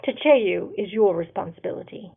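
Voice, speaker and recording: A woman voicing a stern, measured male leader in a fantasy story, grave and authoritative. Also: medium pitch, lively intonation, creaky, slightly rough. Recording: narrow phone-like sound.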